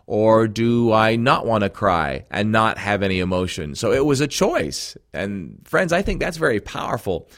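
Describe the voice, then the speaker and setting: A man's voice: lowish voice, big pitch swings, moderate pace, few pauses, fairly bright tone. A man from Jamaica, speaking without an accent, earnestly talking listeners through a recorded self-help program as a coach. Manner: earnest, conversational, addresses listeners as friends.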